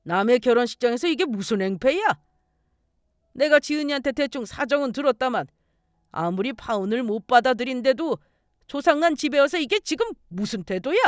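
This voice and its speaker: A woman's voice: high voice, expressive, fairly quick, dry recording, clean studio sound. A woman voicing a stern, commanding older uncle who orders unwanted guests out. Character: stern protective older uncle, a police detective.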